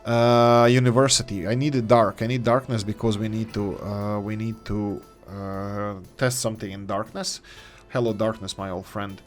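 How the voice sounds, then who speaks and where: Low-voiced man, hesitant gameplay commentary. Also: steady tone, moderate pace, faint music behind. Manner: hesitant, many fillers and restarts; speaks English as a third language. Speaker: game let's-play host. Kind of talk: thinking-aloud gameplay commentary.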